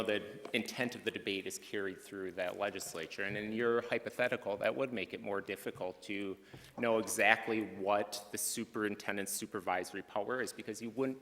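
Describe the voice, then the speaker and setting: A man arguing as an attorney before a court, measured and peppered with "you know". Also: on the low side, bright, forceful tone. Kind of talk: courtroom oral argument. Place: large courtroom. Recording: long courtroom reverb.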